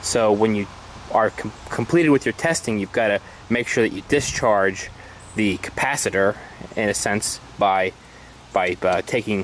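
A man's unremarkable speaking voice at a fairly low pitch and moderate pace, with ordinary pitch variation, light background noise and a dry sound with no echo. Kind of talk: tutorial. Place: garden. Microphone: phone near.

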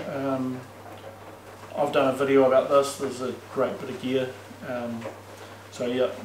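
A man speaks at a moderate pace. Light background noise and audible room echo are present. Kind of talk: casual vlog chat. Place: home room.

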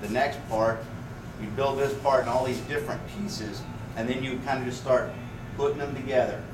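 There is noticeable background noise as a man speaks at a moderate pace with ordinary pitch variation. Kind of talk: informal explanatory talk to a tour group. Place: workshop. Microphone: camera far.

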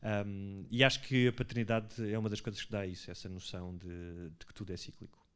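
At a moderate pace, a man speaks in a plain, everyday voice with a fairly low pitch and fairly even intonation over a quiet background. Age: 40s. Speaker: comedian podcast host. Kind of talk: live podcast before audience. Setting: stage with audience. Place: stage. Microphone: studio mic.

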